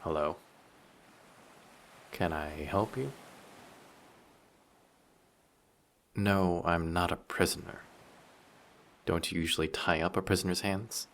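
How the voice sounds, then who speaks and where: A man's voice: low voice, measured pace, long pauses, a bit bright, a little hiss or hum. A man playing a handsome, vain, flirty sea monster posing as a passenger in a roleplay audio drama, with a polite, formal, teasing and self-assured manner. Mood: guarded, wry.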